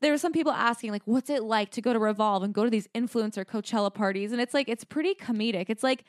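A young woman co-hosting a podcast, telling stories in an animated, chatty way. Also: a little high, quick pace, no echo, studio quality. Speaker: podcast co-host. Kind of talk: casual chat.

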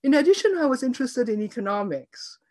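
A woman's voice: on the high side, sing-song, fast talker, a little mellow. A woman in her seventies from Singapore, a guest in an interview, answering in a chatty, reflective way with frequent fillers and light laughter. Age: 70s.

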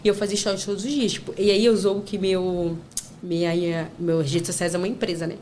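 A woman's voice: fairly low pitch, little pitch movement, brisk, a little mellow, a little hiss or hum. A woman chatting as a podcast guest, telling stories with lots of fillers, acting out quotes and breaking into laughter. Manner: chatty storytelling full of fillers. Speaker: podcast guest, content creator. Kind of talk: casual chat.

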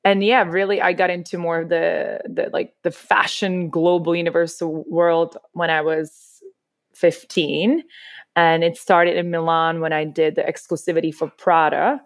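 Woman in her thirties, rambling enthusiastic podcast guest, slightly low voice, dry close sound. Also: level tone, a little slow, no room sound. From Czech Republic. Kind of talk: casual interview chat.

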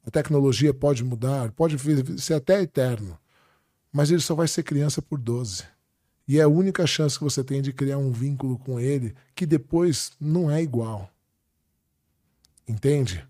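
A middle-aged man with a Brazilian Portuguese accent, a podcast guest telling lively family stories in casual talk and acting out the dialogue. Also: mid-range voice, unhurried, dry recording, studio quality. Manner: animated anecdotes with quoted dialogue. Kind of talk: casual storytelling.

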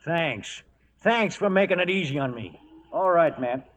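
An actor playing a loyal, plain-spoken old trail hand who narrates and acts in a western radio drama. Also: male voice, on the high side, expressive, a little slow, fairly bright tone. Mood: reluctant, loyal. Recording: noisy vintage radio recording.

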